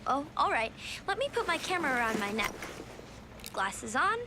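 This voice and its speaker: A young female assistant in a kids' radio play, eager but unsure. Her voice is very high and lively, polite and earnest, over clear worksite noise. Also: moderate pace. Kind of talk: children's radio drama acting. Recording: noisy demolition site sound effects. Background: machinery and demolition sound effects.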